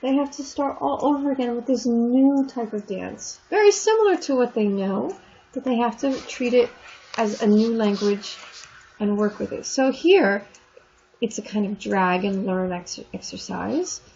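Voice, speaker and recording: A woman's voice: a little high, expressive, a little slow, vocal fry, dark tone, highs cut off, slight background noise. A woman teaching an online French lesson, patiently explaining textbook exercises and repeating examples. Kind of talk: recorded lecture walking through textbook exercises.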